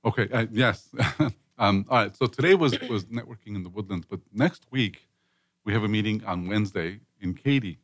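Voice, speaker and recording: A man's voice: on the low side, normal speed, no room sound. A man hosting a casual conversational podcast, chatty and emphatic, often repeating himself for effect. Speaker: host and business chamber leader.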